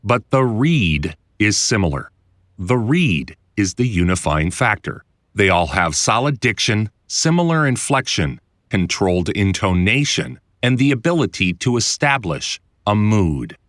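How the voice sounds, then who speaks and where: A man reading his own instructional audiobook in a conversational, clearly enunciated way, like a voiceover producer explaining the trade. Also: on the low side, very animated, a little slow, fairly bright tone, no room sound, studio quality. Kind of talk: scripted instructional narration.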